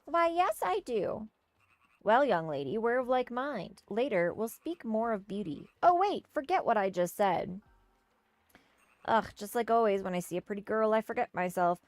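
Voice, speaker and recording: A woman streaming a game and reading its dialogue aloud, slipping playfully into goofy high voices for the characters. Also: expressive, normal speed, no echo. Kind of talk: casual let's-play with read-aloud character voices.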